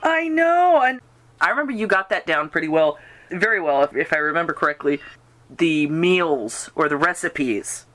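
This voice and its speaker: Woman, lowish voice, podcast host, rambling casual chat, giggly, dry close sound. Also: normal speed, dry recording. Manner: rambling, giggly, animated when quoting characters. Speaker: podcast host interviewing a guest. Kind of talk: casual chat about fan fiction and radio drama.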